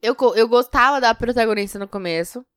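A woman with a Brazilian accent co-hosting a podcast, talking in an expressive, dramatic way and swearing often. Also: fairly high pitch, a little fast, clear, resonant tone, dry recording, studio quality. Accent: Brazilian Portuguese. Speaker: podcast co-host. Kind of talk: casual chat.

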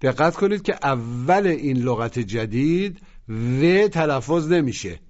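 A man's voice: mid-range voice, expressive, a little mellow. A man teaching a recorded language lesson, giving instructions and prompts for the listener to repeat. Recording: dull lo-fi tape recording.

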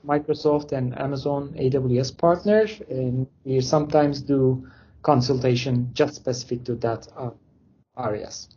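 Man, dark husky voice. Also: medium pitch, steady tone, unhurried, dull audio. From Turkey. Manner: loose non-native phrasing, many fillers. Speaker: interview guest, company founder. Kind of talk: casual interview answers.

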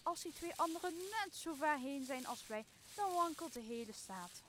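A tipsy jester sidekick acted by a young woman in an amateur radio play. The voice is high, scornful and whiny, given to exclaiming and complaining. There is faint background noise. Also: lively intonation, normal speed, fairly bright tone. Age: young adult. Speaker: student actor. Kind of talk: amateur radio drama acting.

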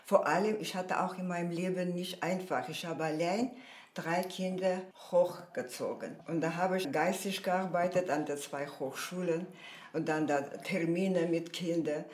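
A woman, a podcast guest speaking lively German with grammar. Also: fairly low pitch, a little slow, echoey room. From Georgia. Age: 80s. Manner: lively, non-native grammar, upbeat and proud. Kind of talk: casual interview chat.

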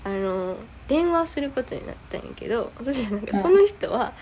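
A woman's voice: high-pitched, a little fast, a little hiss or hum. A woman with a Kansai accent, chatting casually on a podcast and telling a story with lots of energy, acting out the lines of the people in it. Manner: animated storytelling, acts out quoted lines. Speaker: podcast co-host. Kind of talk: casual chat. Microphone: remote recording.

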